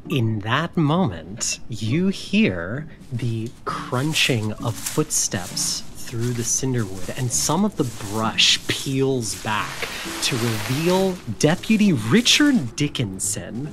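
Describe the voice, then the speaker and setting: A woman narrating scenes as game master in an audio drama, with deliberate storytelling. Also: a bass voice, sing-song, a crowd in the background.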